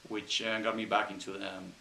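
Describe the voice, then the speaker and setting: A man with a Spanish accent answers interview questions, pausing often to think. His low voice is gravelly but bright in tone. The room sounds echoey, with a faint hiss behind him. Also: little pitch movement. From Spain. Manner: thoughtful, hesitant with many ums. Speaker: engineer.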